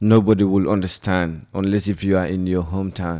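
At a fairly slow pace, a man talks at a fairly low pitch in a dark, mellow tone with fairly even intonation. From Gambia. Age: 20s. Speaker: musician. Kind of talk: interview storytelling.

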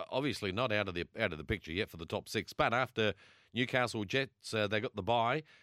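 A man with an Australian accent, fairly low-pitched with a bright, sharp tone, fairly quick with ordinary pitch variation, dry and close with no echo on a very clean, silent recording. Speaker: sports radio host. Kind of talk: sports talk radio. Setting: studio.

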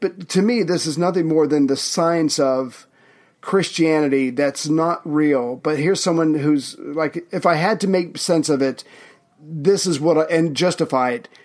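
Here is a man with a plain, everyday voice. His pitch is fairly high, with ordinary variation, and his pace is fairly slow. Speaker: history podcast co-host. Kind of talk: casual chat.

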